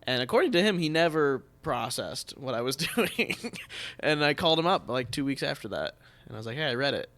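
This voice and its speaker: Man, medium-pitched voice, informal podcast host with a hesitant, stop-start delivery. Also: expressive, fairly quick, fairly bright tone. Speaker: podcast host, theatre producer. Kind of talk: casual chat.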